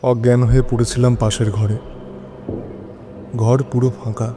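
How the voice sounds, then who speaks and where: An actor playing an anxious husband who narrates a horror audio drama in a brooding, dramatic way with halting phrases. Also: male voice, mid-range voice, level tone, noisy background, lightly acted. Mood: distraught. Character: anxious husband narrating his haunted stormy night.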